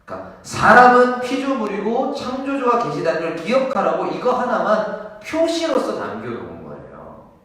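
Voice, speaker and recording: A man's voice: high-pitched, huge pitch swings, normal speed, fairly bright tone. A male pastor preaching a sermon in a church, animatedly asking and answering his own questions. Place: church sanctuary. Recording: echoey hall, mic far off.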